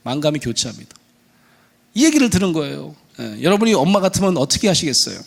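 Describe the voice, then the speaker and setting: This is a middle-aged male pastor delivering a sermon in a church. His voice sits somewhat high and moves all over the place. He tells a story vividly and slips into voices for the people in it. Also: fast talker, creaky. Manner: animated storytelling, acting out dialogue in voices. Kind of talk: sermon with acted-out stories. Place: church sanctuary.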